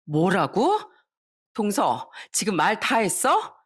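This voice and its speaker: A woman's voice: mid-range voice, huge pitch swings, slow, slightly rough, exaggerated voice. A proud, indignant sister-in-law in a storybook tale, as a woman narrator puts her on. She talks in a huffy, offended way, and her voice swings widely up and down. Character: haughty young woman, a doctor, sister-in-law.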